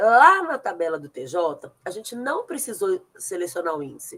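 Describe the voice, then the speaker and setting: With a fairly high pitch, a woman moves through very wide pitch swings. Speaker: law teacher. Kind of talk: online class tutorial.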